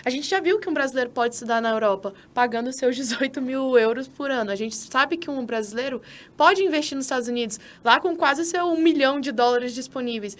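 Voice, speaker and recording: A woman's voice: high-pitched, fairly quick. A Brazilian woman with a Brazilian Portuguese accent, speaking as a podcast co-host and citizenship consultant in casual, persuasive talk that addresses listeners directly.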